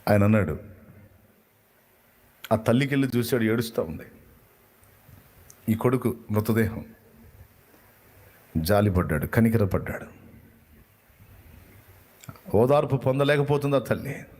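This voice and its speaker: A man's voice: fairly low pitch, expressive, a little slow, long pauses, a little mellow. A man preaching a sermon, retelling a story dramatically and voicing the people in it. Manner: dramatic retelling with quoted voices.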